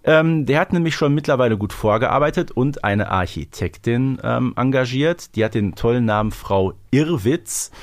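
A man's voice: mid-range voice, animated, moderate pace, hardly any pauses, dry recording, clean studio sound. A man co-hosting a podcast, chatting casually and wryly as he reviews a story. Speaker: podcast co-host. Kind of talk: casual review chat about audio dramas.

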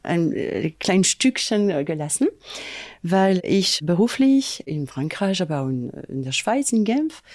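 French-accented woman, dark dry voice. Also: lowish voice, animated, dry recording. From France. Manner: halting, searching for German words. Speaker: fragrance design manager. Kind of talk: casual interview chat.

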